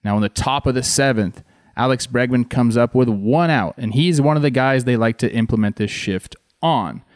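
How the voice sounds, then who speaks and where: A man's voice: mid-range voice, moderate pace, dry recording, studio quality. A man hosting a sports show, explaining plays in a conversational way and putting rhetorical questions to the viewers. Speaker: sports show host and baseball analyst. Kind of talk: explanatory sports breakdown commentary.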